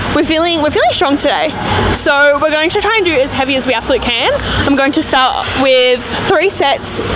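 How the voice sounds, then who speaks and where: A woman's voice sounds dry with no echo, with noticeable noise in the background. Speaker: fitness vlogger. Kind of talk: casual vlog chat. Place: gym. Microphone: handheld.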